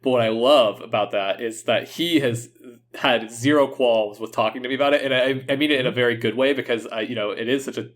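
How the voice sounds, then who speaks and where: A man's voice: mid-range voice, fairly quick. A man co-hosting a casual podcast, often hedging and correcting himself, with a joking streak. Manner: hesitant, self-correcting, joking. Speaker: podcast co-host. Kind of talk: casual chat.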